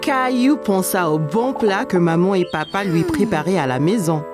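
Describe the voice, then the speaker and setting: A woman narrating a children's cartoon like a scripted storybook, with expressive, clear storytelling. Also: medium pitch, normal speed, over music, natural voice.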